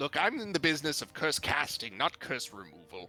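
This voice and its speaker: Putting on a character voice, a man talks fairly quickly at a fairly high pitch with very wide pitch swings, while faint music plays in the background. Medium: actual play. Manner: haughty, clipped, refers to himself grandly.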